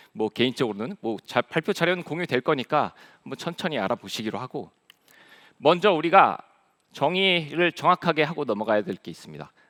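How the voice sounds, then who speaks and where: A man's fairly high, bright, sharp voice with vocal fry and very wide pitch swings, at a fairly quick pace, in a dry, close sound with no echo on a very clean recording with a silent background. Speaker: conference speaker, cloud engineer. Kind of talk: conference talk. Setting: stage with audience. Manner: fast.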